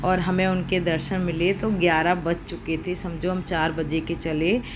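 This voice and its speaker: Noticeable background noise sits behind a woman whose fairly low voice stays monotone and flat. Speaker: vlogger. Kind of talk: casual vlog narration. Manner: slow. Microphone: badly set mic, crackling.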